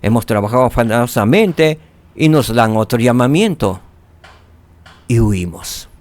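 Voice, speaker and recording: A man teaching a scripture lesson, asking rhetorical questions and dropping to soft tones for emphasis. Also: mid-range voice, lively intonation, measured pace, no room sound.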